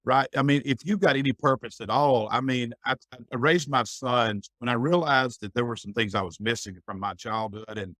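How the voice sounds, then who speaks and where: A man's voice: medium pitch, normal speed, hardly any pauses, a bit bright, no echo. A middle-aged man speaking as a podcast guest, giving earnest, folksy advice in a reflective conversation. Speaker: guest, business owner.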